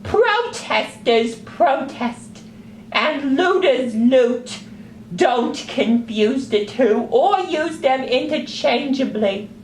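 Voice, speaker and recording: A woman voicing an indignant, earnest male sock puppet in a news parody, with emphatic, exasperated, drawn-out words. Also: sits high, expressive, echoey room, slight background noise, exaggerated voice.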